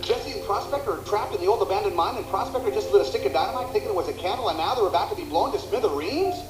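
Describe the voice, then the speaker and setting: A man voicing an eager, excitable cowboy sheriff toy in a cartoon. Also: high voice, rapid-fire. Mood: heroic. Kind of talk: animated cartoon acting. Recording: echoey, loud music behind.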